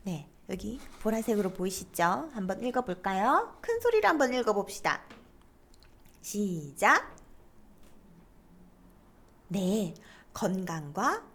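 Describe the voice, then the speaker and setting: A woman's voice: medium pitch, big pitch swings, unhurried, gravelly, fairly bright tone. A middle-aged woman giving a lecture, explaining terms and leading students to read aloud together. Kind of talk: online lecture on stress coping.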